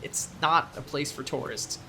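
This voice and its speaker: A woman playing a casual, blunt small-town local in an audio drama, speaking in a halting, animated way. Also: deep voice, slight background noise. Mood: ominous, scornful. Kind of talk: audio drama, naturalistic dialogue.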